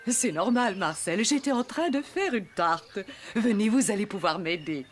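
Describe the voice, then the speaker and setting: A woman's voice: mid-range voice, lively intonation, normal speed, soft background music, lightly acted. A woman voicing a good-humoured farm woman in a children's cartoon, hospitable and instructive. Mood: cheerful, instructive.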